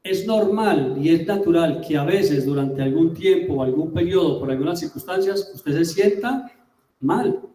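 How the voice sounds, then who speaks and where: A man preaching a sermon as a pastor, emphatic, with rhetorical questions and drawn-out words. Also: fairly high pitch, mellow. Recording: roomy, distant mic.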